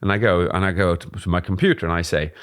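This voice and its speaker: A man in his forties, a presentation coach, explaining at a relaxed pace as he co-hosts a podcast on a studio mic. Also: low-pitched, fast, clean tone. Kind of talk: casual podcast chat. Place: dim studio with warm lamps. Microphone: studio mic on boom arm.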